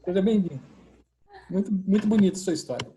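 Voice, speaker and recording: A man's voice: high voice, expressive, quick pace, warm tone, a little hiss or hum. A man, a church member, chatting in a jokey way and tagging his lines with questions.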